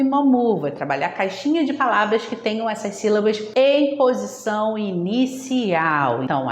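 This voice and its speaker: A literacy educator with a mid-range voice gives an instructional video talk in an echoey room with faint background noise. Her manner is didactic, she speaks straight to viewers, and she often checks in with "tá?".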